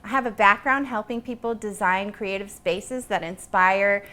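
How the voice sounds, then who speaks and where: A woman's voice: mid-range voice, steady tone, normal speed, bright, forceful tone. A woman giving earnest, explanatory answers as an interview guest in a conversational style. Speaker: guest, painter and creativity consultant.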